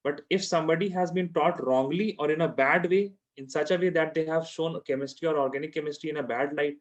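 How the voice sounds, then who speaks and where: South Asian male tutor, slightly high voice. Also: fairly even intonation, quick pace, lo-fi sound. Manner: repeats phrases, checks understanding with questions. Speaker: chemistry teacher. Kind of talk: informal one-to-one tutoring.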